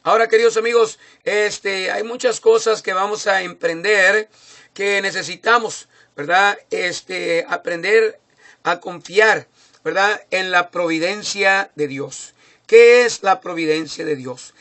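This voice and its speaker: A man's voice: sits high, slow pace, bright, forceful tone. A man preaching a sermon, speaking with many fillers and tag questions and rising in volume for emphasis. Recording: phone recording.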